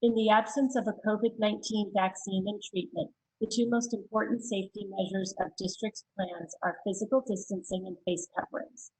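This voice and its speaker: A woman reading written public comments aloud at a school board meeting, steady and plain, with a few hesitant asides. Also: medium pitch, a little fast, hardly any pauses, breathy edge, low-quality recording.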